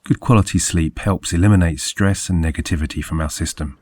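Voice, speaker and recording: A man narrating a scripted guided sleep meditation as a hypnosis guide, soothing and measured, with deliberate phrasing. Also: low-pitched, a little mellow.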